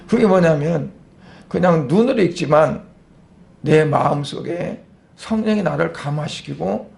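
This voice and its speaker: A man, a pastor, preaching a Sunday sermon in a conversational way, asking rhetorical questions and pausing on fillers. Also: on the high side, creaky, a little mellow.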